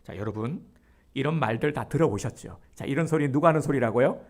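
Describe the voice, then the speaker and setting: Gravelly, emphatic male pastor. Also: mid-range voice, fairly quick, darkish tone. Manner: emphatic, leads the congregation in repeating verses. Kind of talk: sermon.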